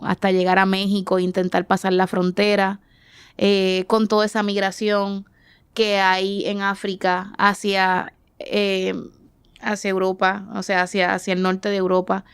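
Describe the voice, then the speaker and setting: Thoughtful Dominican-born woman, smooth voice. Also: mid-range voice, no room sound. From Dominican Republic. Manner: thoughtful, searching for words, frequent restarts. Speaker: artist guest. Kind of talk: reflective interview answers.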